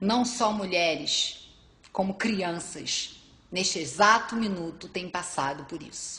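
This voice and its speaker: A woman with a Brazilian accent speaks at a very slow pace, her medium pitch showing ordinary variation. Her loudness swings widely, and there is noticeable background noise. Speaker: vlogger sharing her testimony. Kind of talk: furious angry rant, scornful and accusatory, cursing at the audience. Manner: indignant, forceful, sharp and biting, defiant; emphatic, repeating phrases for punch.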